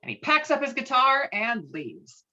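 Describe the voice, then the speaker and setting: A woman's voice: high-pitched, big pitch swings, moderate pace, sharp tone. A woman narrating the stage directions of a script. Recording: dull lo-fi call audio.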